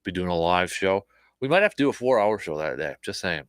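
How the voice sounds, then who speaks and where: A man hosting a talk show in casual chat, relaxed and rambling with plenty of fillers. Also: low voice, a little fast, clean tone, no room sound, clean studio sound. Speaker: host.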